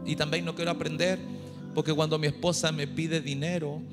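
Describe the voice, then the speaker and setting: A middle-aged man from Chile with a Chilean Spanish accent, preaching a humorous sermon into a handheld mic on a church stage and urging the crowd to shout. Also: on the high side, little pitch movement, fast. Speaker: guest pastor. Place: large dark church stage. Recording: long hall reverb with music behind.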